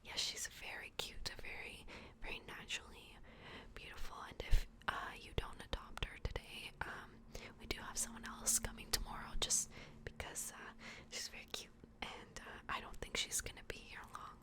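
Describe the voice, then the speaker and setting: A woman doing a soft-spoken, whispered ASMR personal-attention roleplay as an adoption worker, gentle, hushed and reassuring. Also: moderate pace. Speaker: ASMR roleplay host playing a plush toy adoption worker.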